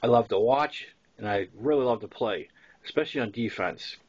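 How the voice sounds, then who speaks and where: A man's voice: lowish voice, expressive, normal speed, darkish tone, breathy edge, highs cut off. A man in his sixties with a Boston accent reads his own memoir aloud in a conversational storytelling manner, with casual asides. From Massachusetts, US. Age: 60s. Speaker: author reading his own novel.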